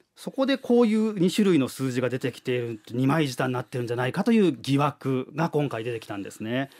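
Over a quiet background, a man talks at a fairly quick pace with lively intonation, big swings in loudness and hardly any pauses. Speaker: radio announcer. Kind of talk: news report. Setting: radio studio. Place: studio.

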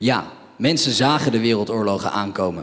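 Speaking with lively intonation, a man keeps to a moderate pace. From Netherlands. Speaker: political party founder. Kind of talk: speech. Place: hall.

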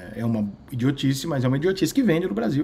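The voice is somewhat breathy, with a dark, mellow tone. It moves at a very fast pace. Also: man. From Brazil. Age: 40s. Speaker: sports journalist. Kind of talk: video commentary monologue. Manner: casual, conversational. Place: home room. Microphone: phone near.

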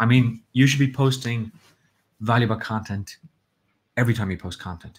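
Somewhat breathy, a man speaks at a fairly quick pace with ordinary pitch variation. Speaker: live stream host, content marketing presenter; presenter. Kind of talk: live webinar talk. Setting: home setup with own microphone. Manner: casual, many fillers. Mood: relaxed, chatty.

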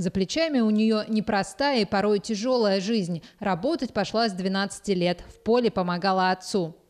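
A woman speaks in a normal speaking voice at medium pitch, with ordinary pitch variation and big swings in loudness. She keeps a moderate pace with hardly any pauses, and the recording is very clean with a silent background. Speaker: TV news reporter. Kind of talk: TV news report narration.

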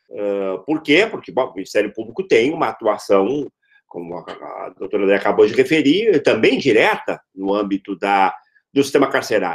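Against a quiet background, a man talks at a moderate pace with big swings in loudness. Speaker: judge moderating a legal workshop. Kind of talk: panel discussion moderation. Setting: video call. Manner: formal, hesitant with many fillers. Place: home room. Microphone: webcam.

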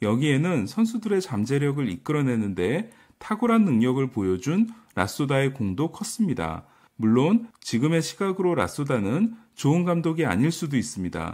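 A man speaks with a fairly high pitch and very wide pitch swings. The recording is very clean, with a silent background. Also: moderate pace. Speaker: baseball YouTuber. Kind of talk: scripted narration.

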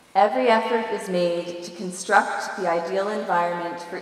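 A woman speaks at a fairly slow pace. Room echo can be heard around her voice. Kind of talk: ceremonial welcome speech. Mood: warm, formal. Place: hall.

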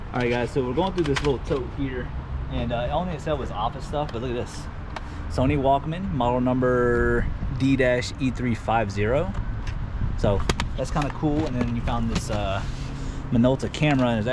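A man at a moderate pace, with long, frequent pauses over noticeable background noise. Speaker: storage unit reseller. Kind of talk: casual vlog commentary. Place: street. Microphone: phone near.

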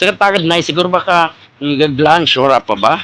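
The voice is a man's, fairly high in pitch and moving at a moderate pace. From Philippines, Hinatuan, Surigao del Sur. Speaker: travel vlogger. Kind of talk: walking vlog narration. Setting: outdoors, walking around town. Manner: halting, many fillers.

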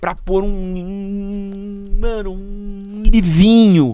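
A man shouting in a high pitch, animated in tone, with a dry sound with no echo and a quiet background. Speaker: reaction YouTuber reading Reddit stories. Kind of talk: casual comedic reading and commentary of a Reddit story; angry rant, shouting swearing at the story's character. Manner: animated, jokey, sarcastic; loud, shouted, furious, aggressive, ranting with heavy profanity. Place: studio. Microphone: studio mic.

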